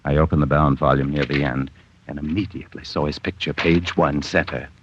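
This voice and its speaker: A man's voice: extremely low pitch, level tone, fairly quick, slight background noise. An actor playing a haunted, guilt-ridden man who stammers tensely, narrating and speaking in an old radio drama, recorded as a dull old radio broadcast. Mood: brooding. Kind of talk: 1940s radio acting.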